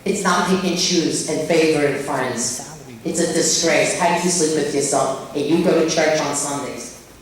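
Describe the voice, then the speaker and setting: A woman's voice: low-pitched, normal speed. A woman from Long Island giving a heated, accusing public comment at a town board meeting. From Long Island, New York. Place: large echoey public meeting room. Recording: echoey room audio from far off.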